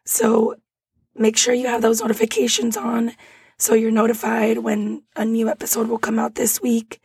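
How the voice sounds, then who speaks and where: Hoarse woman with a raspy failing voice. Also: a little high, completely flat delivery, normal speed, darkish tone, dry recording. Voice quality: raspy, strained voice. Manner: apologetic, drifts into breathy whispers. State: hoarse, losing her voice. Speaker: podcast host. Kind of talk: casual solo podcast chat.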